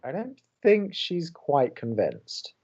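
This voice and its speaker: A sardonic young college radio co-host acted by a man in an audio drama. He is dry and protective, with a very mobile pitch, and the sound is a little dull. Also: sing-song, slow, darkish tone, breathy edge, heavily acted. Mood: sarcastic. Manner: dry, sarcastic.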